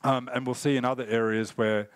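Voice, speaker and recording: A man's voice: medium pitch, fairly even intonation, a little fast, no room sound. Man with a cold giving a keynote. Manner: loose spoken presentation with fillers, explanatory. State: getting over a cold, coughing. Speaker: keynote speaker on cyber threat intelligence. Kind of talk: conference keynote talk. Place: indoor conference stage.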